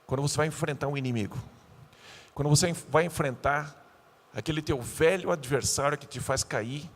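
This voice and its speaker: A male pastor giving a youth sermon, animated and joking, acting out the scenes he tells. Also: fairly high pitch, moderate pace, big-room sound.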